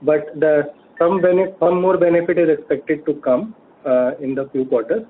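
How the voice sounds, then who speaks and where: Male finance executive, Indian accent, fairly high-pitched, giving earnings-call answers through narrow telephone audio. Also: moderate pace. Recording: phone-like audio with faint noise.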